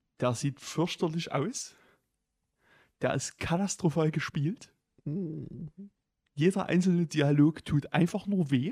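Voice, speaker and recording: A man's fairly high yet dark, mellow voice in an eastern German accent, very slow with long, frequent pauses, in a dry, close sound with no echo. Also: ordinary pitch variation. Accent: regional eastern German. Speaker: podcast co-host. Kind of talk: casual chat. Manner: matter-of-fact, to the point.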